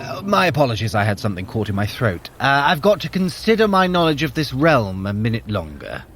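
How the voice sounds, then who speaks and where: An actor playing a sly, sardonic trickster god in an audio drama, speaking in an articulate, theatrical, wry way. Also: male voice, mid-range voice, big pitch swings, a little fast, fairly bright tone. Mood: scheming, guarded. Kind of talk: scripted audio drama acting.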